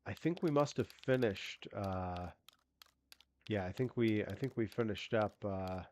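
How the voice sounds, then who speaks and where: A fairly low, slightly mellow man's voice at a measured pace. A gaming streamer, he rambles in casual live-stream chat, stopping and restarting with frequent fillers, and sounds like he has a cold because allergies have him congested.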